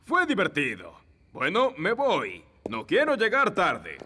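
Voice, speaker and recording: A bumbling, pompous middle-aged fairy king in a children's cartoon. He has a Latin American Spanish accent and a bright, forceful voice that swings widely in pitch. He sounds self-important and easily flustered. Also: wildly swooping pitch, slow, slightly rough, full character voice. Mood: self-satisfied.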